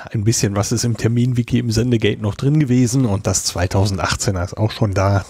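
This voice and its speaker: A man's voice: on the low side, darkish tone, breathy edge, no echo, clean studio sound. A man co-hosting a podcast, reading out announcements in an informal, orderly way. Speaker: podcast co-host presenting event calendar.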